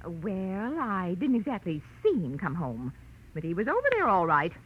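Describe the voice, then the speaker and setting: An actress playing a nosy, prim, gossipy spinster neighbor with an American accent and husky voice in 1940s radio drama, chattering with scandalized indignation. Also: female voice, mid-range voice, wildly swooping pitch, normal speed. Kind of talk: 1940s radio character acting. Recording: muffled vintage 1940s radio recording.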